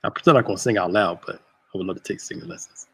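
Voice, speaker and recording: A man's voice: on the low side, fast, a bit bright, slightly rough. A man in his thirties, a pastor hosting a casual chat show from a church sanctuary, laid-back and joking. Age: 30s.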